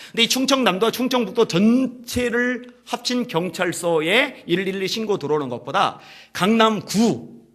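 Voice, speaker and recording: Bright high-voiced male pastor preaching. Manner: storytelling sermon, swinging from hushed lows to loud emphatic peaks; addresses the congregation directly with rhetorical questions. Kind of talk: sermon. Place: church service.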